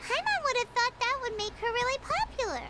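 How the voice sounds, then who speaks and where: A woman's voice: extremely high pitch, very animated, a little fast, heavy background noise. A woman voicing a tiny floating fairy companion who chatters in a bubbly, exclaiming way. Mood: chirpy. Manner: bubbly, exclaiming, refers to herself by name. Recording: game audio with music behind.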